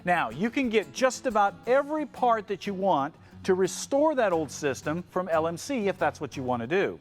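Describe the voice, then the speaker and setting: A man hosting an automotive build show, explaining things in a folksy, instructional way. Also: on the high side. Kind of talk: instructional TV presenting.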